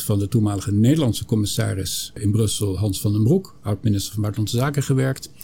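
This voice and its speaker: A man talks very fast in a dark, mellow, somewhat breathy voice with ordinary pitch variation. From Netherlands, raised partly in Luxembourg and Belgium. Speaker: retired ambassador. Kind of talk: interview. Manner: hesitant with many filler sounds.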